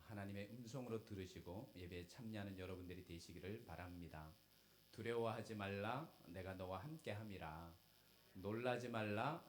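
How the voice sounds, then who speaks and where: A middle-aged Korean pastor preaching a Sunday sermon, filling pauses with "uh" and rising to loud, emphatic calls. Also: male voice, lowish voice, a little hiss or hum. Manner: fills pauses with "uh", jokes with the congregation, swells to loud emphatic calls.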